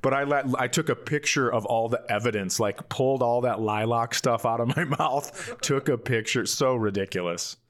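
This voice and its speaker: A male comedy podcast host with an average-pitched voice. He talks casually, spinning anecdotes and slipping into crude jokes and swearing. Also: normal speed, few pauses.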